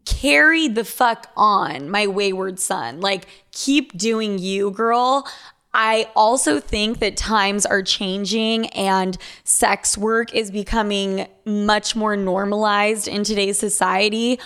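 A woman's voice: mid-range voice, fairly bright tone, clean tone. A young adult woman with an American Valley girl accent and drawl, hosting a casual advice show in a blunt, sweary, unfiltered way with lots of filler "like". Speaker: podcast host giving listener advice.

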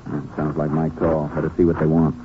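An actor playing a steady, laconic Texas Ranger in a 1950s radio drama, matter-of-fact and businesslike. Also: male voice, rumbling low, brisk, a crowd in the background. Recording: noisy, narrow-band old radio recording.

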